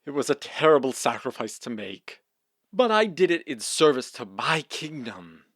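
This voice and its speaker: Fairy-tale king, male actor: defensive, guilt-ridden, theatrical, highly animated pitch, dry studio-like sound. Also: normal speed, no room sound. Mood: pleading, self-justifying. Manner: dramatic, self-justifying. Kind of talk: audio fiction comedy acting.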